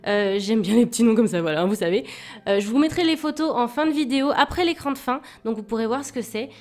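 A woman's voice: fairly high pitch, expressive, quick pace, a little mellow. Stuffy-nosed woman chatting over a speedpaint. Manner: chatty and hesitant, many fillers and restarts. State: stuffy nose from a cold. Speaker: digital illustrator. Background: faint background music.

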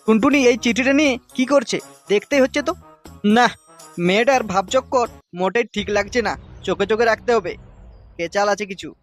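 A man's voice: sits high, brisk, faint music behind, natural voice. A man voicing an angry, suspicious village husband and father in a comedy cartoon, scolding and crude.

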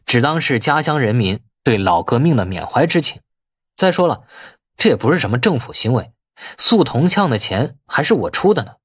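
Man acting a wily nephew, husky and animated. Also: mid-range voice, moderate pace, no room sound. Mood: ingratiating. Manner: colloquial, argumentative, glib. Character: wily younger nephew, outwardly deferential, privately grumbling. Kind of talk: audiobook character acting.

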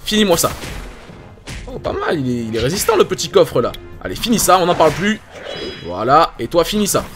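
A man giving excited gameplay commentary, hyped and swearing casually as he talks to his viewers. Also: fairly high pitch, a little fast, soft background music. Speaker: gaming YouTuber. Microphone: facecam setup.

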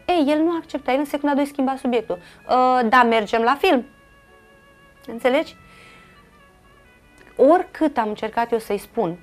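A woman's voice: fairly high pitch, darkish tone. Earnest Romanian woman telling a family story. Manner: earnest, quotes dialogue, many fillers. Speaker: interview guest. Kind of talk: emotional personal storytelling.

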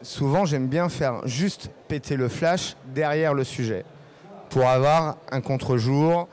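Middle-aged man, photographer at a live fair talk, casual and halting, handheld mic. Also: mid-range voice, darkish tone. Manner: casual, hesitant, many fillers. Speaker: guest photographer. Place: trade fair stage.

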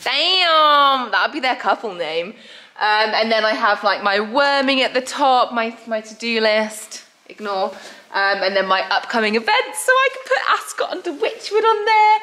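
A woman's voice: fairly high pitch, big pitch swings, moderate pace, bright, forceful tone. A young woman chatting casually in a horse barn, bubbly and full of fillers, filmed close on a handheld camera. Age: young adult. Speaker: horse rider vlogger. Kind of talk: casual vlog chat.

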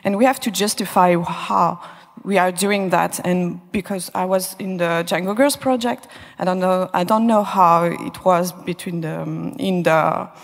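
A woman's voice: lowish voice, unhurried, vocal fry. Earnest woman asking from the audience. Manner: earnest, searching for words. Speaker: audience member asking a question. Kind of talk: conference Q&A question. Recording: long hall reverb.

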